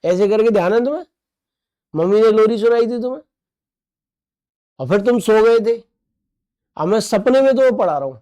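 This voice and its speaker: A teacher runs an online exam-prep class, playfully joking along with what students comment before drilling terms through repetition and quick questions. His voice is high yet mellow, with lively intonation.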